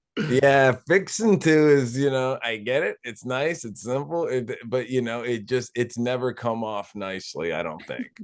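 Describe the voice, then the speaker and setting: With a slight Midwestern accent, the speaker keeps a moderate pace with hardly any pauses and lively intonation. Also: man, medium pitch for a man. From US Midwest. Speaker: comedian. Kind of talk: casual chat.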